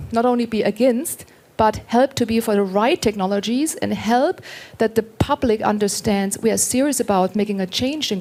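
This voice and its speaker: Woman on a panel making her pitch, earnest, bit higher voice. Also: a little mellow. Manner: earnest, persuasive, appealing directly to the audience. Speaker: industry panelist. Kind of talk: panel discussion remarks.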